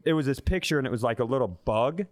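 A man's voice: medium pitch, expressive, fast talker, a little mellow. A middle-aged man, a comedian hosting a podcast, bantering casually, acting out quotes and swearing freely.

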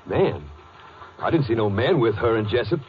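A muffled vintage radio recording carries a rural witness, played by a male actor. He is folksy and hesitant, drawling colloquial lines at a middling pitch in a western drama. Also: expressive, normal speed, a little hiss or hum, close to an everyday voice. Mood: curious.

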